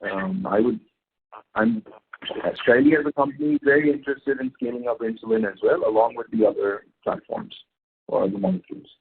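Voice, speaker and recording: Gravelly executive on a phone line. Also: male voice, mid-range voice, wildly swooping pitch, brisk, slight background noise. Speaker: company executive answering analysts. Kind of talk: unscripted earnings call answers. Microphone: phone conference call. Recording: tinny narrow phone line.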